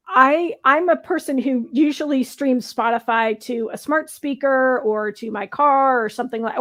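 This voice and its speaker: A woman's voice: sits high, fairly bright tone. A woman co-hosting a casual panel discussion, explaining things in a conversational way. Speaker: talk show co-host.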